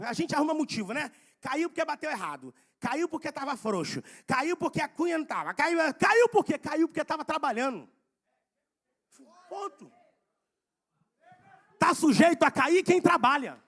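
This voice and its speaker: Fervent high-voiced preacher. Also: male voice, very animated, creaky. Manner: fervent, shouting exhortations with drawn-out emphasis. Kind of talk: sermon. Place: church.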